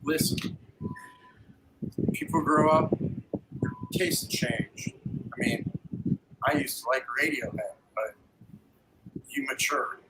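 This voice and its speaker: A man's voice: a little high, slow, pauses often. A man playing an earnest husband of an imaginary friend, speaking in a mockumentary interview. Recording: noisy background.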